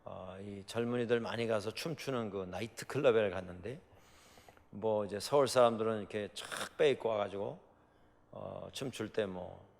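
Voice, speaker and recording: Middle-aged man, Korean pastor, Chungcheong accent, gravelly voice, sermon with rhetorical questions, reverberant church hall. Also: lowish voice, moderate pace. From South Korea. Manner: storytelling with many fillers and rhetorical questions. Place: church sanctuary.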